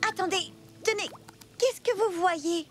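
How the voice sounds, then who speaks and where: A clever, practical cartoon girl. She speaks precisely in a very high, matter-of-fact voice, with background music underneath. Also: a little slow. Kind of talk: French cartoon dubbing.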